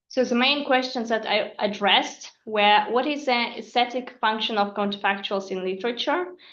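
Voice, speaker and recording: The speaker has a non-native accent and a moderate pace. Pitch varies in an ordinary way, with hardly any pauses. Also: woman, fairly high pitch for a woman. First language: not English. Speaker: PhD researcher presenting. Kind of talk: academic seminar presentation. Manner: halting, many fillers.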